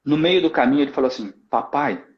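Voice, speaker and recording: A man's voice: mid-range voice, normal speed, vocal fry. A Brazilian man in his forties chatting on a live video call, telling stories in a reflective way. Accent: Brazilian Portuguese. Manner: reflective storytelling, many tag questions. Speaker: host. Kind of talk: casual live-stream chat. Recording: dull lo-fi live-stream audio.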